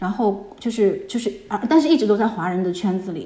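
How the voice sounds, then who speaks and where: Audible room echo and noticeable background noise accompany a voice with ordinary pitch variation. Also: woman. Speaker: immigrant parent in Australia. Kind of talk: casual chat.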